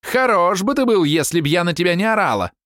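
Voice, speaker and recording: A man voicing a quarrelsome woman in her forties, shrill and indignant as she nags and complains. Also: sing-song, fairly quick, no room sound, studio quality. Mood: furious.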